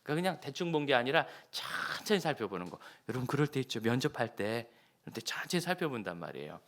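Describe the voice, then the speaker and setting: A man's voice: mid-range voice, very animated, fast, fairly bright tone. A middle-aged man preaching a sermon as pastor, in a chatty, joking way with the congregation, sometimes dropping to a near whisper. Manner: conversational, jokes with the congregation.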